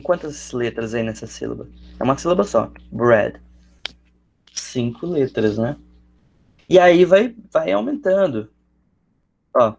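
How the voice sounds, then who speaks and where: A man's voice: medium pitch, sing-song, takes it slowly, gravelly, long pauses, darkish tone. A man teaching an English lesson, explaining step by step and thinking aloud with frequent fillers. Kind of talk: classroom lesson explaining grammar.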